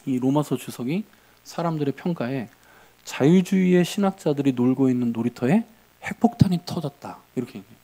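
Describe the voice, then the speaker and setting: Animated high-pitched male preacher. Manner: animated preaching with acted-out quotes and rhetorical questions. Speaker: pastor. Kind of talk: sermon. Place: church service.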